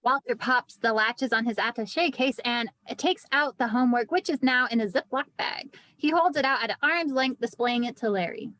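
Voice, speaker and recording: A woman's voice: a little high, normal speed, few pauses, a bit bright, no room sound, rough recording. A woman reading screenplay stage directions as a scripted narrator.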